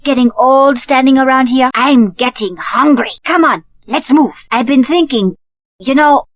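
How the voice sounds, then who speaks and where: A brash female action-game sidekick with a high, very expressive voice. She is sassy and slangy, takes her time over words, and is recorded dry and close. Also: a little slow, dry recording. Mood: curious, restless. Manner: cocky, flirty, slangy. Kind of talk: video game voice acting.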